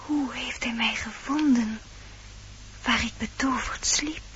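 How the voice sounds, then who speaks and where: A woman playing a gentle young fairy-tale bride in a radio play, declaiming verse lyrically and with care. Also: fairly high pitch, takes it slowly, a little hiss or hum. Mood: dreamy, awakening. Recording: dull old radio recording.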